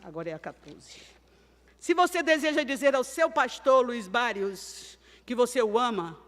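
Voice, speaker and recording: A woman's voice: on the high side, animated, normal speed. Chatty older woman preaching in an echoing church. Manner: chatty storytelling, swinging from loud to quiet. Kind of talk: sermon.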